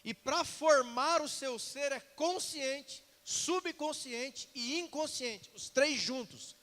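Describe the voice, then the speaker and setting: A man preaching a sermon, lively and conversational, acting out little dialogues and asking the congregation questions. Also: extremely high pitch, slow pace, in a large hall. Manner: animated, acts out quoted dialogue, asks congregation questions. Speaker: pastor. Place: church sanctuary.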